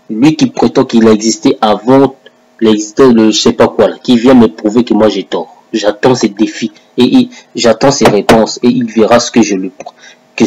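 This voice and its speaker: A man's voice: mid-range voice, a little mellow, husky, poor audio. A man in a confrontational religious video monologue, taunting and challenging a rival he addresses directly. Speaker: online religious commentator.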